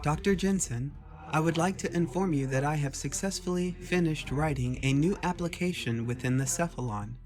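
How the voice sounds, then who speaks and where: Man voicing a formal AI avatar, raised pitch. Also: moderate pace, soft background music, natural voice. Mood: formal, cautioning. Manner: formal, precise, reporting. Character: polite ghost-like female AI avatar assistant. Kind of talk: acted dialogue in narrated sci-fi story.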